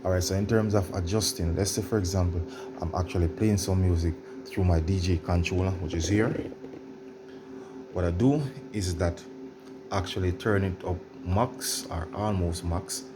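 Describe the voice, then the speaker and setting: A man presenting an informal how-to demonstration, explaining in a halting, repetitive way and addressing viewers directly. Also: sits low, steady tone, noisy background. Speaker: tutorial presenter.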